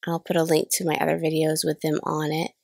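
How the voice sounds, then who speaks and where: A woman's voice: deep voice, monotone, quick pace, vocal fry, a little mellow, no echo, clean studio sound. A woman in her thirties with a cold and a slightly nasal voice, chatting casually through a voice-over crafting tutorial and laughing off her own mistakes. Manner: chatty, self-deprecating about mistakes. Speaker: card-making channel host. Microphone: voice-over recorded separately.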